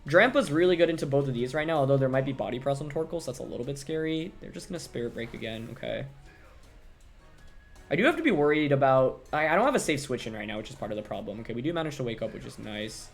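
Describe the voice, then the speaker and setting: A man's voice: medium pitch, animated, fast talker, vocal fry, faint music behind. A young man commentating his own competitive video game battle, thinking aloud and second-guessing his plays. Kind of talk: live gameplay commentary.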